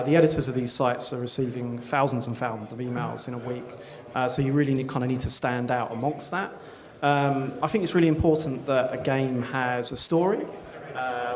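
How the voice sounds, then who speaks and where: A man speaking on a conference panel, rambling with lots of filler sounds. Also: mid-range voice. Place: conference stage.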